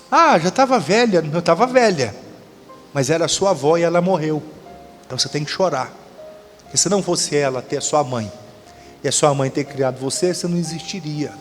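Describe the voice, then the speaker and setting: A man's voice: on the high side, brisk. A man with a Brazilian accent, a pastor, preaching and telling stories while calling on the congregation to answer. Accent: Brazilian Portuguese. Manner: storytelling with call-and-response to the congregation. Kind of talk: Pentecostal-style sermon. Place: church hall during a service. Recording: audio of a church service with long reverb and music.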